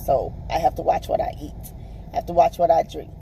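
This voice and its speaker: A woman with a raspy voice, chatting to viewers from her car in a rambling, chatty way. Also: low voice, fairly even intonation, fairly quick, warm tone, a little hiss or hum, poor audio. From Texas, US. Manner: rambling, chatty, calls viewers y'all and honey. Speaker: vlogger. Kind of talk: casual chat to viewers while driving. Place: in a parked car.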